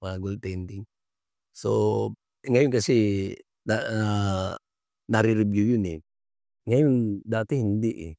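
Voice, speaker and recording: A man's voice: lowish voice, steady tone, mellow, no room sound. Earnest older male referee, dry close mic. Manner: earnest, polite, halting with many pauses and fillers. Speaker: veteran basketball referee, guest. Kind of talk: casual interview answers.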